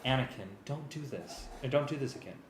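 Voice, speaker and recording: A man's voice: mid-range voice, lively intonation, a little fast, heavy background noise, natural voice. A man reading the part of a worried, tender young pregnant wife in a staged script reading, pleading earnestly. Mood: uneasy. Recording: roomy space with loud string music.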